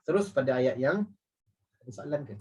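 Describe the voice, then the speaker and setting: Husky guy teaching quran recitation, drags out the words, keeps correcting, sounds a bit far from the mic. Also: medium pitch, lively intonation, a little mellow. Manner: drills phrases slowly, repeating and correcting. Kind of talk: tajwid lesson, correcting recitation. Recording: voice distant from the mic.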